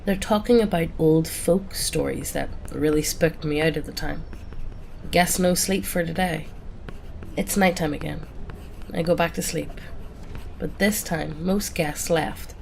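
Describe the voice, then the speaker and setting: Woman with a cold for calm horror-story narration, deep and gravelly. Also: a little slow, a little hiss or hum, poor audio. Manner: calm first-person storytelling. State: has a cold. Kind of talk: reading a greentext horror story.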